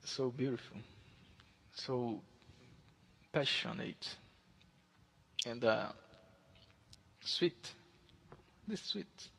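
Halting man, gravelly. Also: mid-range voice, lively intonation, sharp tone, low-quality recording. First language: Portuguese. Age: 30s. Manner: halting, searching for English words. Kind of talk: casual chat with online stranger.

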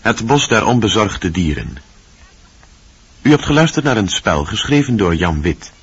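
A man working as an announcer, reading scripted radio credits in a measured, formal way. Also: fairly low pitch, sing-song, breathy edge. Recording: dull old radio recording.

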